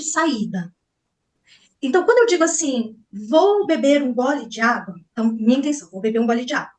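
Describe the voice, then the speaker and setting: A woman's voice: sits high, far from the mic, poor audio. A woman therapist teaching a live online class, talking animatedly and acting out little dialogues as she explains. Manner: animated, acts out dialogue, frequent "né?" and "tá?".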